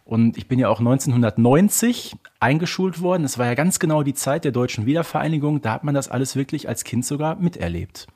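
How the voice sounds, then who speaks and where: A man's voice: mid-range voice, fast, hardly any pauses, a little mellow. A man in his thirties from Germany, co-hosting a conversational podcast discussion. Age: 30s. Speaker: podcast co-host.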